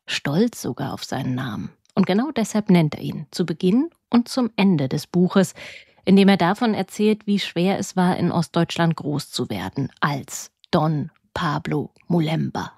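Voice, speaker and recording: A woman delivers a scripted radio book review in a measured, serious tone. Her voice sits low and mellow. The recording is close and dry. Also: no room sound. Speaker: radio culture reporter.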